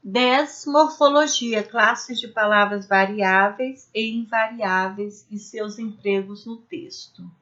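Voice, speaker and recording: A woman's voice: a little high, fairly bright tone. Woman teaching grammar, dull lo-fi sound. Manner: addresses viewers as "gente" with frequent "né?" tags; explains rules step by step with spoken examples. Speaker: Portuguese language teacher. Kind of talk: exam-prep grammar lesson. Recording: dull lo-fi recording.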